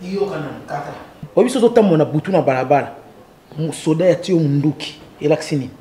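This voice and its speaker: A woman's voice: low voice, fast, warm tone, lightly acted. An actress with a Congolese accent playing an outraged, scolding mother in a family drama. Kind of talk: acted family drama dialogue. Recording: echoey room.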